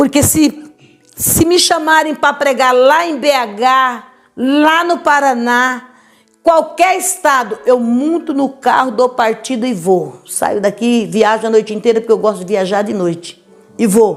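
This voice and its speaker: Her intonation lively and her pitch high, a woman speaks at a fairly slow pace. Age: 70s. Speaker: ex-witch evangelical preacher. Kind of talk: testimony. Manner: animated.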